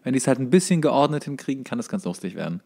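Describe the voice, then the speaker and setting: A man's voice: medium pitch, sing-song, rapid-fire, dark tone. A man co-hosting a podcast in casual chat, telling stories in an informal, loosely rambling way. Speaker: podcast co-host.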